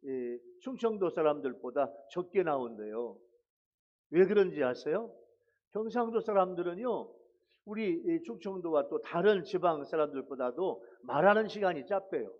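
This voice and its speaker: Man, high-pitched, preaching a sermon, exhorting, repeats phrases, church sanctuary, muffled lo-fi sound. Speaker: pastor.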